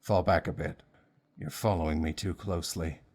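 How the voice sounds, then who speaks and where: An actor playing a stern, detached guide in a visual novel, speaking in a terse, expressionless way. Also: male voice, low-pitched, fairly even intonation, normal speed, darkish tone, breathy edge. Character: stern, nameless male guide, detached and blunt.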